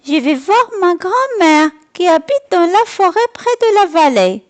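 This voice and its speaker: A woman doing a high, innocent little girl in a red hood. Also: big pitch swings, unhurried, heavily acted. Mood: polite. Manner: high, wide-eyed and exclaiming.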